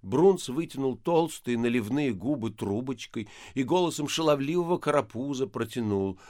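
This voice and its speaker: A man's voice: medium pitch, moderate pace, dry recording, clean studio sound. A man narrating a novel as an audiobook, telling it expressively. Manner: expressive, lively storytelling.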